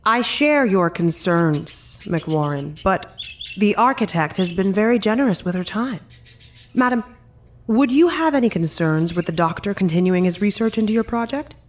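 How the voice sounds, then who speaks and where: A woman playing a diplomatic, authoritative senior official in an audio drama, speaking formally, deliberately and tactfully. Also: mid-range voice, lively intonation, lightly acted.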